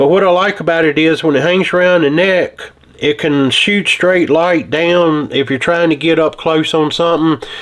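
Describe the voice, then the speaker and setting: This man's voice sits high for a man, with fairly even intonation and very even loudness at a moderate pace. Noticeable background noise runs under the recording. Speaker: scale modeling YouTuber. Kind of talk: casual product review. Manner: frequent filler words (um).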